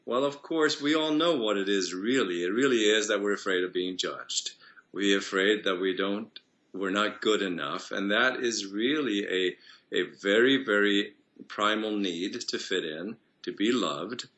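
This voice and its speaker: A man's voice: lowish voice, measured pace, a bit bright. A man working as a voice and singing coach, answering interview questions in an earnest, flowing way.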